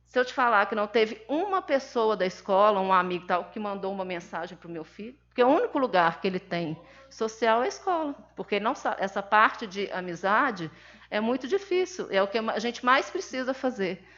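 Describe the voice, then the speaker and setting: A Brazilian mother addresses a seminar about her autistic son, acting out her story's dialogue in an emphatic, indignant testimony with a Brazilian Portuguese accent. Her mid-range voice is a bit bright, with lively intonation and a fairly quick pace, though the audio is dull and lo-fi.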